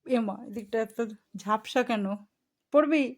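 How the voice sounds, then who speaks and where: A woman from Bengal at home, talking to her cat in playful baby talk, coaxing and scolding by turns. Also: unhurried. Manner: coaxing, scolding playfully, swings between high squeals and soft murmurs. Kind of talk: affectionate baby talk to a pet. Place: home, indoors.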